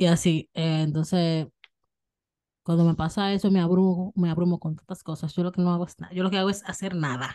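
The background is quiet as a woman talks at a fairly quick pace. Her voice carries a dark, mellow tone and a fairly low pitch. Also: fairly even intonation. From Dominican Republic, San Cristóbal. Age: 20s. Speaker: podcast host. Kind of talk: casual chat.

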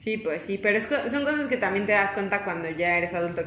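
There is audible room echo around a woman's voice. Noticeable background noise can be heard. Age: 20s. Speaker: podcast co-host. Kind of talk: casual chat.

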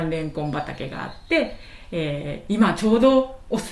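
A woman at medium pitch makes very wide pitch swings. Audible room echo and noticeable background noise sit around her voice. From Ibaraki, Hitachi. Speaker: bird researcher. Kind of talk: radio interview. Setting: co-working space in old farmhouse. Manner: hesitant, many fillers.

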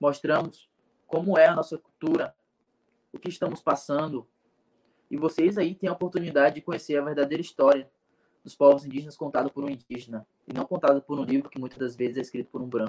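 Very fast male speech with long, frequent pauses, big swings in loudness, a fairly high pitch, and a dry, close sound with no echo. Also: ordinary pitch variation. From Brazil, southern Bahia, Pataxó people. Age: 20s. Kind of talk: panel talk.

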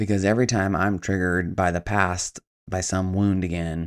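A man's very deep, low voice in a monotone, flat delivery, dry and close with no echo, on a very clean recording with a silent background. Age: 40s. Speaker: podcast host and author. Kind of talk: personal monologue. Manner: casual, filler-heavy.

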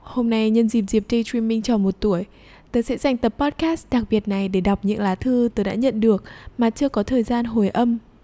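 A woman with a fairly high pitch, a dark, mellow tone and a fairly quick pace. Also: dry, close sound with no echo. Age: 30s. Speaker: podcaster. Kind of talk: personal reflective monologue. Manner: soft-spoken.

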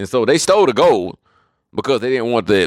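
Lively intonation comes through in a very clean recording with a silent background. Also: man. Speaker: podcast host. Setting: home recording, solo. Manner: casual and rambling, informal, with frequent fillers.

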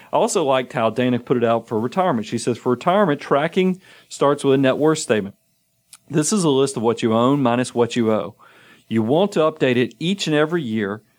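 In a strong Southern US accent, a man talks at a very fast pace and medium pitch, his intonation lively and his loudness very even, on a very clean recording with a silent background. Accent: Southern US, thick. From US South. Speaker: financial advisor podcast host. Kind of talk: casual educational talk about retirement. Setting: studio.

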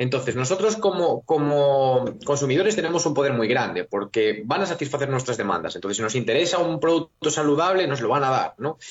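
In a Galician accent, a man talks at a fairly quick pace with hardly any pauses. His fairly high pitch carries lively intonation over noticeable background noise. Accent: Castilian Spanish, Galician. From Spain, Galicia (A Coruña). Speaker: nutrition writer and author. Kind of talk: interview.

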